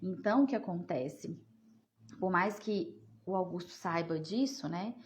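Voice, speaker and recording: A woman's voice: on the low side, unhurried, a little hiss or hum. A woman, a psychologist answering viewer questions in a chatty live talk, often checking in with "né?". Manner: chatty, often asks "né?", talks to viewers as "gente". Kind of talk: casual live Q&A.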